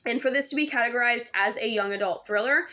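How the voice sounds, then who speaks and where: A young woman talks casually through a book review, her voice sitting a little high for a woman. She rambles in a chatty way, full of ums and restarts. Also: quick pace, noisy background.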